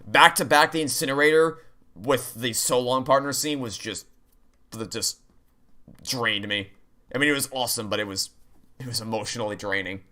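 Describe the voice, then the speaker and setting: A man with a medium-pitched, sharp-toned voice chats casually while streaming a video game. He rambles through his commentary and drops in dry, sarcastic asides as game music plays underneath.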